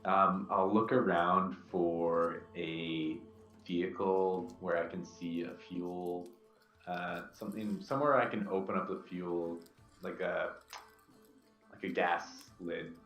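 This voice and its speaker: A man's voice: low voice, fairly even intonation, slow pace, a bit bright. A man playing a tabletop game, talking casually about his moves. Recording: dull, roomy, music behind.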